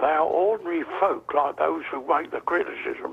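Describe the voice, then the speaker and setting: This man has a British accent. He talks at a moderate speed. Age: 80s+. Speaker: war veteran. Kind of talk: interview answer. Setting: phone line.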